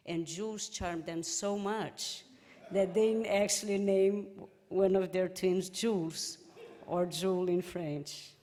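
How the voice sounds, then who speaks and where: A woman with a Brazilian accent speaks slowly, sharing anecdotes at a memorial event and laughing softly between them. Her voice sits a little low. The sound carries a long hall reverb. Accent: Brazilian Portuguese. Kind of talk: personal remembrance speech. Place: lecture hall.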